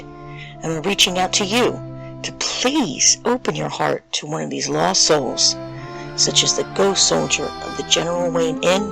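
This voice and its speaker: A man's voice: on the high side, creaky, rough recording. A man delivering an earnest, pleading scripted charity-style radio appeal. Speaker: radio promo announcer.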